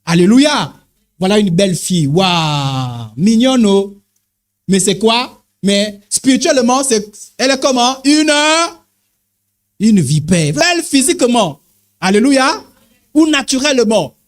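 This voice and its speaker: A man preaching an animated sermon as an apostle, exclaiming and calling "amen, amen" to the congregation, swinging his pitch up and down for emphasis. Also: unhurried. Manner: swings sharply between high and low pitch for emphasis.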